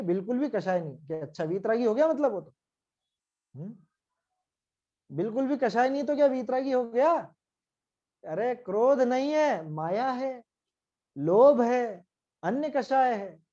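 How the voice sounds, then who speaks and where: A Jain scripture teacher gives a Hindi scripture lecture in a conversational style, packed with rhetorical questions and acted-out quotes. His voice sits high and is warm, with the highs cut off.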